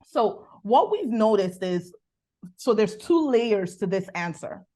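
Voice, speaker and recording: Brief: Nigerian-accented woman, business coach guest, animated sermon-like delivery. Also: mid-range voice. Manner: animated, preacherly, bursts of quick speech. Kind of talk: faith-based coaching conversation.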